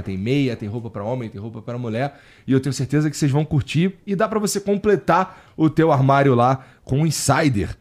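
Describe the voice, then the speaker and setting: A man's voice: mid-range voice, a little mellow. A Brazilian man hosting a podcast, talking casually in an informal, slangy way. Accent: Brazilian Portuguese. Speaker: podcast host. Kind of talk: casual chat.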